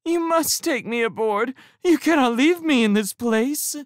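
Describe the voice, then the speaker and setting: A groveling escaped convict, put on by a man, whining and pleading in a high, wavering voice. His pitch leaps up and down as he begs, and the recording is close and dry. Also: lively intonation, measured pace, dry recording. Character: sly escaped prisoner groveling plaintively.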